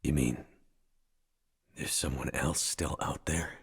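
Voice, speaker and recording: An actor playing a wary, battered captive pilot in a video game, terse and dry, with a gravelly, husky voice. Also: male voice, very deep voice, steady tone, slow, heavily acted. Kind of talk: understated game cutscene acting.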